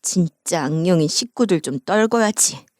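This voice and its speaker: A woman acts out a cunning young shaman woman, dropping into low, plotting commands. The voice swings widely, and the recording is close and dry. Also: lively intonation, moderate pace, darkish tone, no echo, lightly acted. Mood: scheming.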